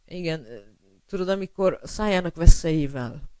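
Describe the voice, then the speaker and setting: A man's voice: a little high, expressive, a little mellow, clean tone, no echo. Earnest preacher man, dry close sound. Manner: earnest, addresses listeners as brother, frequent filler hesitations; tells personal stories to illustrate scripture. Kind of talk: sermon.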